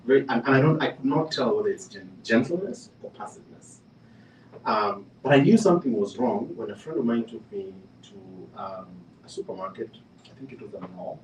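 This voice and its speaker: This Kenyan man, speaking on a panel, relates a story in a chatty way, with fillers and restarts, working up to forceful points. His medium-pitched voice is expressive and a little fast. He's recorded far from the mic in an echoey room, with a little hiss or hum.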